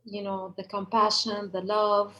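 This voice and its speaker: A woman's voice: medium pitch, level tone, unhurried, sharp tone, dull audio. A woman who leads a church and hosts radio and TV, telling her story earnestly as a guest, with hesitant fillers. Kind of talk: interview storytelling.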